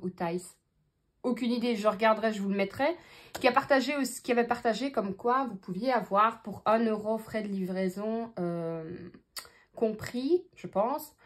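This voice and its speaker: Belgian woman chatting through her budget, lots of euh, thinks out loud. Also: medium pitch. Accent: Belgian French. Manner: chatty, thinks aloud while counting money, many fillers. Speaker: budgeting vlogger. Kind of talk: casual talk to camera.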